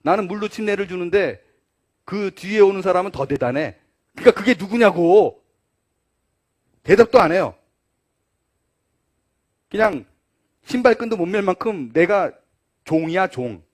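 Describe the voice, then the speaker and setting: A man's voice: high voice, animated, moderate pace, long pauses. A male pastor preaching a sermon, acting out the dialogue of the story as he tells it.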